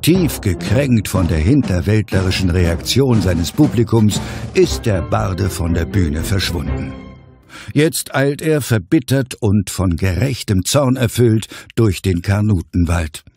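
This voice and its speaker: A man narrating a scripted audio play as a measured, wry, theatrical storyteller. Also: low-pitched, lively intonation, over music. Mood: measured, dramatic.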